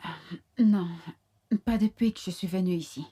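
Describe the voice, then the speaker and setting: A husky young mother. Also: fairly low pitch, unhurried. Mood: affectionate. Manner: soft, affectionate. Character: young new mother, grateful niece.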